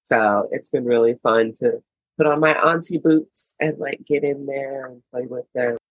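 A woman's voice: a bass voice, normal speed, no room sound, low-quality recording. An American woman co-hosting a casual podcast chat, chatty and playful. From United States. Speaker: podcast co-host.

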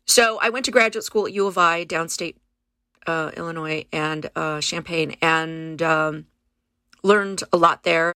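A woman's voice: sits low, a little slow, sharp tone, clear, resonant tone, dry recording. A woman in her fifties from California, Spanish her first language, talking earnestly through her past in an interview and often restarting her sentences. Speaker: guest. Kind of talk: reflective interview conversation.

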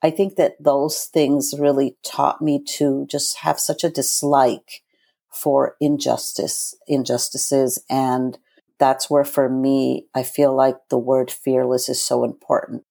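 A woman's voice: very deep voice, little pitch movement, slow pace, creaky, dark tone. A middle-aged woman who grew up in Los Angeles, speaking earnestly and thoughtfully as a guest in an interview. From born in Ecuador, grew up in Los Angeles. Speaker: podcast guest, nonprofit chief executive. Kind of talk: reflective interview conversation.

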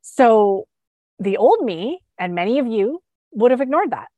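A woman's voice: on the high side, very animated, a little slow, dark tone, no room sound. Upbeat, stuffed-up woman podcast host. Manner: upbeat, chatty, with fillers and restarts. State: stuffed up with a head cold. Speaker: podcast host and sugar freedom coach. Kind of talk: casual live-stream talk.

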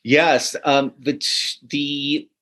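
A man who writes and teaches comedy, telling stories in a relaxed interview, often chuckling and restarting his sentences. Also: on the high side, extremely slow. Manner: animated, chuckling, many restarts. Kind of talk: casual interview storytelling.

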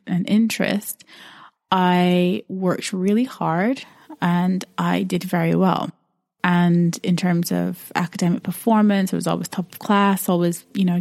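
A woman's voice: on the low side, creaky, darkish tone, no echo, clean studio sound. A woman from Barbados, probably in her thirties, hosting a podcast and talking about her life in an earnest, reflective way, often repeating words as she thinks. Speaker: podcast host.

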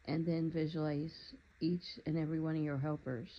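Meditation guide, steady flat delivery, soft calm instructions, slightly muffled lo-fi recording. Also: mid-range voice. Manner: calm, unhurried, gently instructive.

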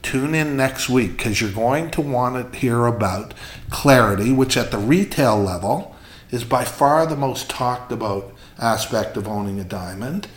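A man's voice: mid-range voice, unhurried. A man hosting a casual podcast about jewelry, telling candid stories with emphasis. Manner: chatty storyteller, candid and emphatic. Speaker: jeweler and show host.

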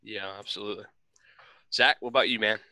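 A man hosting a casual podcast chat, upbeat and joking with quick asides, speaking into a headset. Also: on the low side, fairly even intonation, pushed and bright, no room sound. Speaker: podcast host and firearms instructor.

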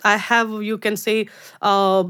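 A middle-aged woman from India whose first language is Urdu, a guest artist talking in a casual interview, halting with many fillers and restarts. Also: medium pitch, flat delivery, fairly bright tone, clean tone.

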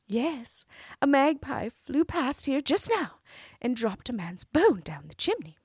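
A woman voicing a young princess who coaxes and wheedles in a raised, sweet voice, breathy throughout. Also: sits high, big pitch swings, a little slow, a little mellow, no room sound, studio quality, voice pushed up, exaggerated voice. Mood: coaxing. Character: young princess, coaxing and cunning.

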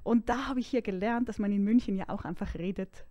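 A woman's voice: mid-range voice, fairly quick, no echo. A woman in her forties from Zurich with a Swiss German accent, chatting playfully as a podcast co-host. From Switzerland, Zurich. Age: 40s. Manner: animated, playful, laughs while talking. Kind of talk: casual chat.

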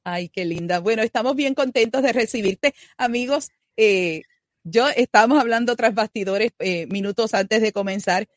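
High-voiced woman host, dry sound. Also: moderate pace, dry recording. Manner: earnest devotional delivery. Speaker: radio host. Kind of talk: scripted introduction then interview.

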